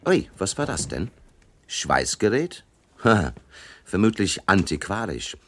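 An actor playing a wisecracking hard-boiled investigator, wry, slangy and offhand, in a radio crime drama. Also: male voice, low voice, sing-song, unhurried, a bit bright, slight background noise, heavily acted. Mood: wry narrating.

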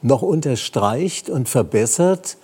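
A man talking as a talk show guest, halting and searching for the right words. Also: medium pitch, animated, a little mellow, husky.

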